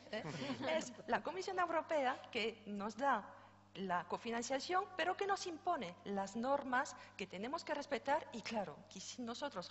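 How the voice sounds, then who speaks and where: A middle-aged woman from France with a French accent, head of a programme office, giving an informal, explanatory conference talk with fillers and self-corrections. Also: on the high side. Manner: explanatory, informal asides with light laughter and fillers. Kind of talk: conference presentation. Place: conference stage. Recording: dull sound with long hall reverb, faint hum.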